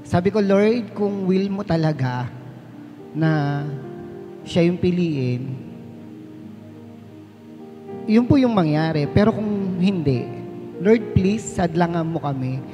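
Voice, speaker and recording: A woman's voice: on the low side, lively intonation, slow, pauses often. A woman giving an earnest, polite personal testimony as exhorter at a church prayer meeting, retelling her prayers aloud. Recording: dull lo-fi sound in a long-reverb hall with faint music.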